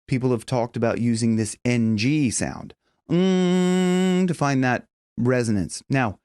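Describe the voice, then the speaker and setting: A man's voice: mid-range voice, normal speed, a little mellow, no room sound, studio quality. A middle-aged man giving an instructional voice lesson as a vocal coach, explaining things step by step. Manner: demonstrates with hums and sung tones. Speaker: vocal coach and professional singer.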